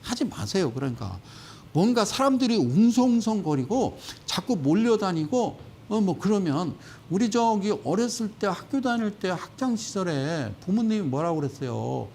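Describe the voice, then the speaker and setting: A man giving stock market commentary on a broadcast, animated and sarcastic. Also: sits high, moderate pace, vocal fry, a little hiss or hum. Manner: animated, sarcastic, acts out quoted voices.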